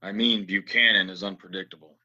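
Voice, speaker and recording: A grave frontier gunfighter, played by a man, low-voiced with a very sharp, forceful edge. He speaks in measured, ominous Western drama style on a slightly dull recording. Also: fairly even intonation, exaggerated voice. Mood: grave warning. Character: grave, strategic male gunfighter stranger. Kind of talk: audio play Western acting.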